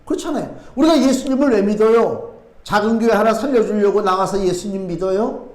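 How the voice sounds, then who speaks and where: High-voiced pastor preaching in echoey church. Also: male voice, fairly quick, a little mellow. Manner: conversational preaching with rhetorical questions and asides. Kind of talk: sermon. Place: church sanctuary.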